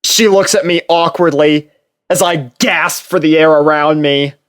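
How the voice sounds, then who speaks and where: A man reading fan fiction as a first-person narrator, expressive and theatrical. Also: fairly high pitch, measured pace, clean tone, no room sound, studio quality.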